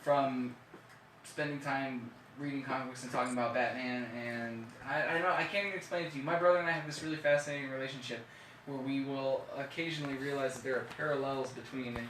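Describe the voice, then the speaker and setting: A man's voice: mid-range voice, steady tone, quick pace, fairly bright tone, far from the mic, slight background noise. A man hosting a casual group talk, rambling with lots of fillers and restarts. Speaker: podcast host reading viewer questions. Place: radio studio. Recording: roomy studio audio from off-mic.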